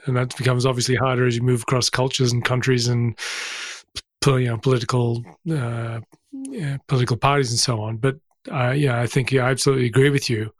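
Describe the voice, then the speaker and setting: A man's voice: mid-range voice, no room sound. A man hosting an interview podcast, asking questions in an easygoing, hesitant way with some ums. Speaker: podcast host. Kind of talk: conversational interview.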